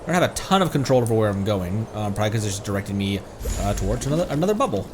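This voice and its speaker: A man doing casual live game stream commentary, excitable, exclaiming and thinking out loud as he plays. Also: on the low side, rapid-fire, background noise. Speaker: streamer, VTuber.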